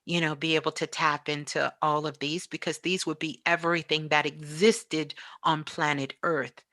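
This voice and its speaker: A woman's voice: deep voice, little pitch movement, moderate pace, sharp tone, dry recording, studio quality. A woman speaking reflectively and conversationally as an interview guest and spiritual teacher, often checking in with the listener. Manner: frequently checks in with "you know".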